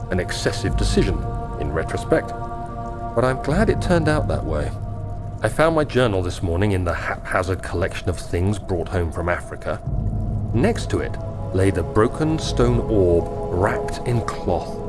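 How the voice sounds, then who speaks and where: A man playing an earnest, troubled young gentleman explorer in a video game, speaking in a formal, introspective way. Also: fairly low pitch. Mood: reflective. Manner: formal, literary, introspective delivery. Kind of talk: dramatic video game voice acting, journal narration.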